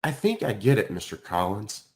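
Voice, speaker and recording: A sensitive, curious schoolgirl played by a man in a children's storybook. The speech is earnest and plaintive, with emphatic phrasing and lively swings in pitch. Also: normal speed.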